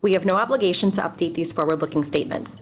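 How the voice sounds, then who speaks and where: On dull, noisy conference call audio, a woman serving as a corporate investor relations executive reads a formal scripted statement. Her voice is fairly low with a breathy edge, and she delivers it rapid-fire.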